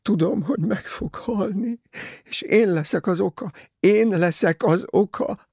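A man's voice: sits low, animated, vocal fry, a little mellow, slightly rough, no echo, clean studio sound, heavily acted. A man voicing a distraught young woman in love, tearful and pleading. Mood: despairing.

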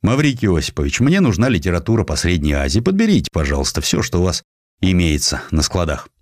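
A man's voice: low-pitched, wildly swooping pitch, fast, no room sound, exaggerated voice. A man playing a celebrated, forthright and learned Russian general in a dramatized audiobook. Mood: brisk, courteous.

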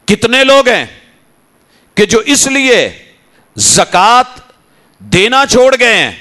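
A man's voice: very animated, pushed and bright. Impassioned Punjabi-accented male preacher. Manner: impassioned, rising to emphatic peaks then dropping to low asides. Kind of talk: Quran lesson sermon. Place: mosque.

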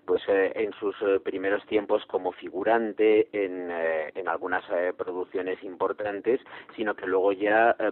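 Man, earnest and halting, lowish voice, dry phone-line sound. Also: no echo. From Spain. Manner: hesitant, many filler sounds, earnest. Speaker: actor interviewed as guest. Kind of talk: phone interview.

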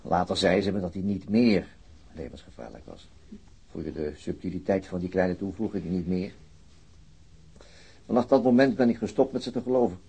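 A man's voice: deep voice, moderate pace, vocal fry, long pauses, mellow, breathy edge, exaggerated voice. An actor playing a middle-aged, wry, weary policeman and father recovering from a wound in a radio play. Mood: wry, resigned. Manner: subdued, weary, sardonic, hesitant. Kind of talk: naturalistic radio play acting.

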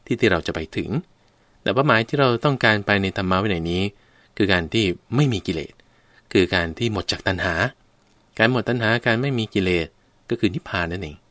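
A man's voice: on the low side, animated, a little fast, a bit bright, no room sound. A man giving a radio Dharma talk, explaining patiently and step by step, repeating phrases and speaking directly to his listeners. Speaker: Buddhist radio teacher.

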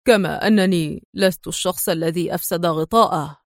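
A woman voicing a stern, sharp-witted Arab agent man who talks in a curt, firm way. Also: sits high, fairly quick, no echo, clean studio sound.

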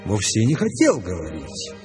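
A man's voice: fairly low pitch, wildly swooping pitch, moderate pace, music in the background. An actor playing a gleefully rebellious, eccentric arrested man in a radio drama, telling his tales in a wry, theatrical manner. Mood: brooding, intense.

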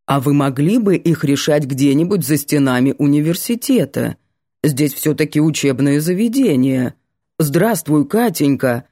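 A self-important old male history professor who speaks slowly and gravely, as a woman narrator puts him on. Mellow, low voice in a dry, close recording. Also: animated, no echo. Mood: stern.

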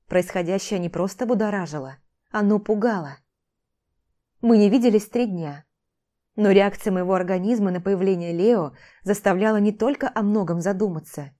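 Mellow-voiced woman reading a fantasy novel. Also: medium pitch. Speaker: audiobook narrator. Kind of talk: first-person fantasy audiobook narration.

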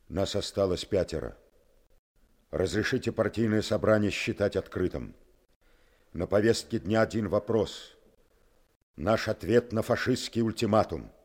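An actor playing a stern, steadfast army major in a Soviet radio drama, with deliberate authority. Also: male voice, on the low side, darkish tone.

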